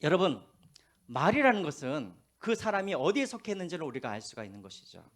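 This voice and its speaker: Lively male pastor w/ faint jeolla accent, slightly high voice, swings loud and quiet. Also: fast. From Korea, Gwangju. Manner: animated storytelling, drops to hushed asides. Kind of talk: sermon. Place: church.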